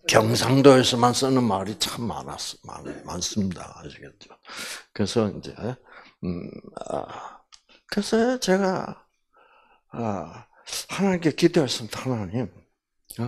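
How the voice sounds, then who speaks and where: Lively husky older lecturer. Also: male voice, on the low side, takes it slowly, long pauses. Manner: animated, with many fillers and acted quotes. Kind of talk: Bible lecture.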